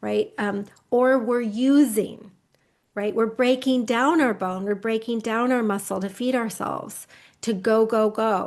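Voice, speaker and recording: Against a quiet background, a woman with an ordinary speaking voice and a fairly high pitch speaks at a moderate pace with fairly even intonation. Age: 60s. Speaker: nutritionist. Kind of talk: podcast interview.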